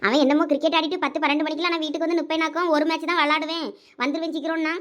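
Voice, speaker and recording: A woman's voice: sits high, little pitch movement, a bit bright. A woman playing a deferential village wife in a family skit. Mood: worried. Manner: quick, pleading, deferential.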